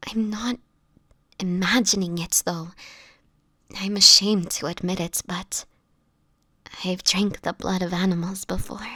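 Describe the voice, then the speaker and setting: A woman playing a sickly, gentle homeless woman turning vampire in an intimate audio roleplay, with a whispery, hesitant delivery. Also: mid-range voice, dry recording, clean studio sound. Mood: ashamed. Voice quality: breathy, whispery. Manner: halting, hesitant, fragile delivery.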